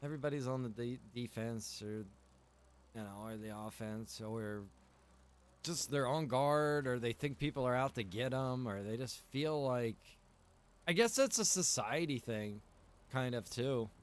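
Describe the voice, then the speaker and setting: A man of middling pitch talks off the cuff as a game streamer who runs his own server. He speaks informally and loosely, circling back and repeating phrases as he works through a thought. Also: unhurried. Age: adult, past early twenties. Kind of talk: casual livestream chat while gaming.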